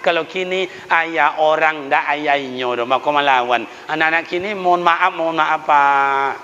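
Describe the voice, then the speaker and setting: A man delivers a sermon full of jokes and folksy stories. His voice sits high and sounds bright and ringing. The sound is dull and lo-fi, with the long reverb of a large hall. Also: moderate pace. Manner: humorous storytelling with folksy asides, addressing elders directly. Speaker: preacher. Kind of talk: lively village sermon. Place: mosque.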